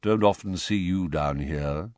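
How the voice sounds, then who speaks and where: A man voicing a mournful wizard who speaks in a slow, sepulchral way. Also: deep voice, a little mellow, no room sound, clean studio sound, pitched below the performer's own voice. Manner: slow, gloomy.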